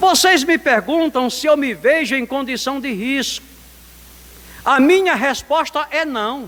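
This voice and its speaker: A man with an extremely high voice speaks at a fairly slow pace in an animated tone with ordinary pitch variation. Noticeable background noise is present. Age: 60s. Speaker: pastor. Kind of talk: sermon.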